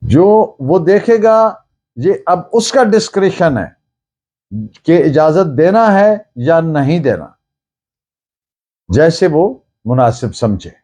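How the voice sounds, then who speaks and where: A Pakistani man delivers a formal law lecture at a slow, measured pace. His voice sits fairly high and rises and falls markedly as he stresses key phrases. He is deliberate and emphatic, often restating a point. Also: sing-song, dark tone. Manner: deliberate, emphatic, repeating points in Urdu and English. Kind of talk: formal lecture, reading out and explaining legal text.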